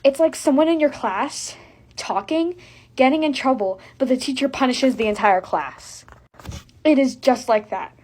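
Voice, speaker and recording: A woman with a high voice delivers an earnest appeal as a fan. She is emphatic and admonishing, hammering her points through repetition. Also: a little slow, a little mellow. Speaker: fan making an appeal to other fans. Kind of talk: earnest public service plea to camera.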